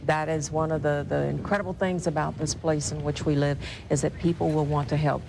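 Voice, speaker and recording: A woman anchoring rolling storm coverage on the news, speaking in measured, halting phrases. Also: sits low, fairly even intonation. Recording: clear background noise.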